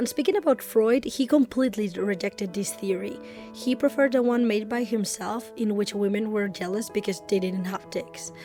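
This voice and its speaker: Music plays behind a woman with a fairly high pitch and ordinary pitch variation. She speaks at a moderate pace with hardly any pauses. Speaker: mythology and psychology YouTuber. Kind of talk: casual humorous educational talk to camera.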